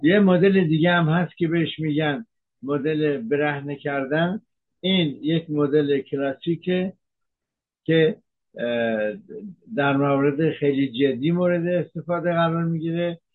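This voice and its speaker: A man, a physician from Iran, giving a measured health talk that explains medical terms, with frequent hesitations. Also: a little high, narrow, tinny audio.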